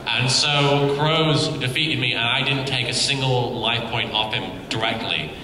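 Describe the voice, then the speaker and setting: A man telling a casual anecdote to a convention panel, with animated delivery and mock-serious asides. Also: medium pitch, measured pace, crowd noise. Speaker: panelist answering fan questions. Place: large convention panel hall. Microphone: PA microphone recorded by a distant audience camera. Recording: echoey hall, distant camera, noisy room.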